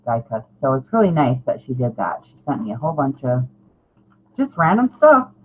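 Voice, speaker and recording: A woman's voice: very deep voice, big pitch swings, normal speed. Middle-aged woman chatting, dull lo-fi recording. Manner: informal, self-deprecating, mildly salty. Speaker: craft vlogger. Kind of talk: casual rambling chat to viewers. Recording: dull lo-fi sound, clear background noise.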